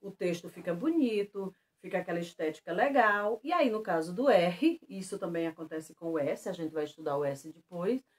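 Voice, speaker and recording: A Brazilian woman teacher giving a lesson to schoolchildren, stressing example words slowly and clearly. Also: fairly low pitch. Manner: lively, slow and emphatic on example words. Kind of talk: remote lesson for children.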